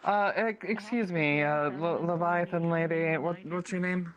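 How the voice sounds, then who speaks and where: A man playing a polite, cautious adventurer in improvised roleplay, questioning in a halting, inquisitive way. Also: fairly high pitch, steady tone, fairly bright tone, muffled recording. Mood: polite, curious. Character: courteous, cautious male adventurer questioning a stranger. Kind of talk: improvised virtual-reality roleplay.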